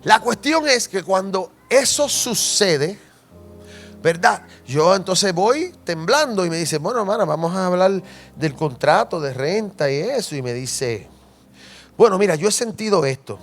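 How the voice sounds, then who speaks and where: A pastor from Puerto Rico tells a personal testimony in a sermon, animated and asking the congregation questions. His high-pitched voice moves a little slowly over soft background music.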